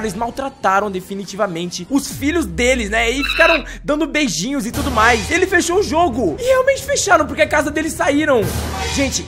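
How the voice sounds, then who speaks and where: A man giving excited gameplay commentary, animated and exclaiming as he retells the chat aloud. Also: very high voice. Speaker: gaming YouTuber. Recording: background music under voice.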